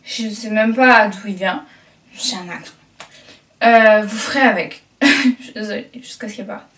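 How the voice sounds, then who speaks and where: A woman's voice: medium pitch, moderate pace, fairly bright tone, recorded from a distance. A woman vlogging casually as she tidies her bedroom, chatty, rambling and poking fun at herself. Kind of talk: casual vlog chat while tidying. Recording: echoey room, voice from off-mic, faint background clatter.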